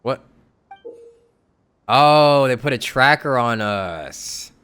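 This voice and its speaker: A man's voice: medium pitch, animated, drawn-out words, a bit bright, clean tone. A young man giving casual, informal live commentary as he streams a game, reacting aloud.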